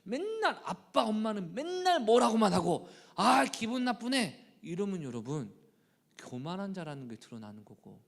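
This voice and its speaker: Lively middle-aged Korean pastor preaching. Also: male voice, medium pitch. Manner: addresses the congregation constantly, acts out his children's voices. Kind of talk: sermon.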